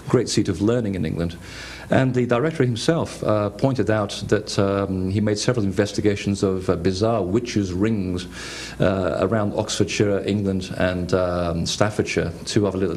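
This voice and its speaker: A man's voice: lowish voice, a little mellow, slight background noise. A man from Portugal with a Portuguese accent giving a conference lecture with slides, hesitant, with many fillers and restarts.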